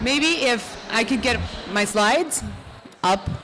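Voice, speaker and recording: Over noticeable background noise and audible room echo, a woman speaks with lively intonation at a fairly high pitch. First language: Spanish. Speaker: health researcher. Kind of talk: conference presentation. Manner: halting.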